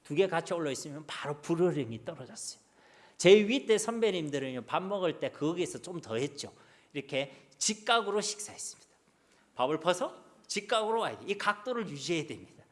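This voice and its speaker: Animated Gyeongsang pastor preaching a sermon. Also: male voice, on the high side, a little fast. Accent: Gyeongsang Korean. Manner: animated preaching, rhetorical questions to the congregation.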